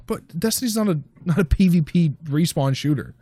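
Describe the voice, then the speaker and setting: A man's voice: fairly high pitch, lively intonation, a little fast, warm tone, husky, dry recording. A man co-hosting a casual gaming chat, rambling and grumbling with plenty of swearing. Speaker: podcast co-host.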